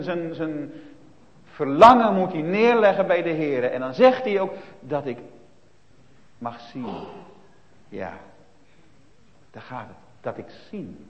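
A man preaching a sermon to children, emphatic and shifting between loud stresses and hushed asides, with many tag questions. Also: on the high side. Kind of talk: sermon retelling a Bible story for children. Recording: reverberant, dull lo-fi church recording.

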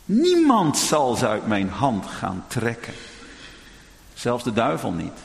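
A man preaching a sermon dramatically, moving between raised pleading and hushed, low tones. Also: wildly swooping pitch, slow, gravelly, in a large hall.

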